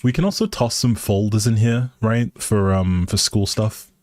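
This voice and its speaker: Casually chatting on his livestream while playing a life simulation game, a man addresses viewers politely and appreciatively. His lowish, darkish voice holds a steady tone at a moderate pace. The sound is clean studio quality with no room sound, and music plays behind him.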